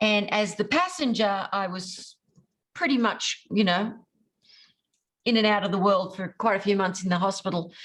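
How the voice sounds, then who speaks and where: A woman's medium-pitched voice in an Australian accent, with fairly even intonation at a moderate pace and long, frequent pauses. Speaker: transformation teacher and former singer. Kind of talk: interview.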